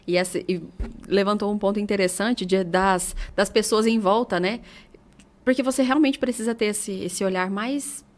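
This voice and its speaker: A woman's voice: mid-range voice, fairly even intonation. A young mother with a Brazilian Portuguese accent, a guest in a podcast interview, speaking earnestly and emphatically. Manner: emphatic, earnest, quick to agree. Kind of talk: casual interview chat.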